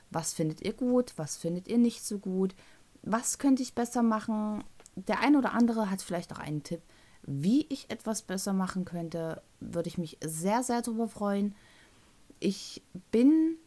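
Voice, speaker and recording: Mellow and medium in pitch, the voice belongs to a woman in her thirties from North Rhine-Westphalia, Germany, who speaks with a Thuringian German accent. On her own podcast she chats casually and alone, rambling along with fillers and correcting herself.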